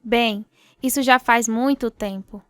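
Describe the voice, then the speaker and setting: An actress playing a devout, forgiving wife who speaks with earnest reassurance in a radio drama. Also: female voice, a little high, steady tone, a little slow, smooth, lightly acted. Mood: concerned. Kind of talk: scripted radio drama dialogue.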